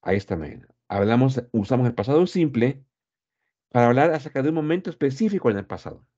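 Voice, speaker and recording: A man's voice: medium pitch, sing-song, quick pace, dark tone, muffled recording. A man teaching English grammar in Spanish, who explains patiently and drills pronunciation by repeating each word several times.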